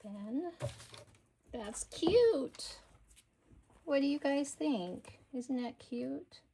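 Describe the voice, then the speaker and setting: Quiet, slow, gravelly-voiced woman crafting. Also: high voice, animated. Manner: quiet, murmuring to herself while working. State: sniffly. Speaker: craft channel host. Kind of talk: casual craft-along chat.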